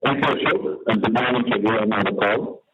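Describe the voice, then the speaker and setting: Fast-talking man on a heavily echoing conference line. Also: lowish voice. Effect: heavy echo on the conference line. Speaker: company co-chairman and CEO. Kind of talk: formal earnings-call remarks. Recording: echoey, tinny conference phone line with noise.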